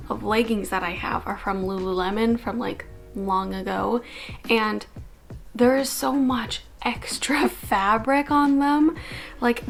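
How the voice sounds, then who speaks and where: Chatty young woman with a gravelly edge. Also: a little high. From Canada. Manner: chatty, filler-heavy with many "like"s. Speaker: vlogger. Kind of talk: casual day-in-the-life vlog.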